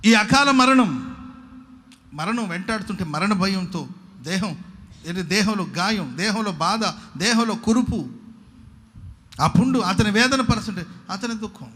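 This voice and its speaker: A man's voice: high voice, normal speed, a bit bright. A man preaching a sermon, talking emphatically and repeating phrases, with call-and-response to the congregation.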